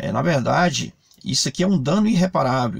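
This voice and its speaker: A man with vocal fry and very wide pitch swings, at a fairly quick pace against a quiet background. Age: 50s. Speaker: retired bus driver, wheelchair user. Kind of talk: testimony. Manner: halting. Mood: earnest, concerned. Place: car. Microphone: phone near.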